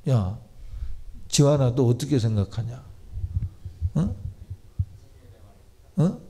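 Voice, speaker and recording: Gravelly man preaching an emphatic sermon. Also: mid-range voice, sing-song, slow pace, dark tone. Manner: emphatic, switches to blunt informal speech to address listeners. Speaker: pastor. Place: church sanctuary.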